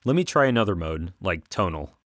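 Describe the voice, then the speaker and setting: A man narrating a software tutorial as an instructor, explaining things clearly step by step on a close voice-over mic. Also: low voice, sing-song, a little fast.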